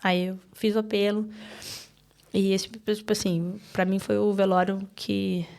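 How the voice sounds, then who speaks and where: Brazilian woman guest on a podcast, gravelly voice, halting and emotional, keeps restarting. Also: mid-range voice, flat delivery, a little mellow. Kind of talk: emotional personal storytelling.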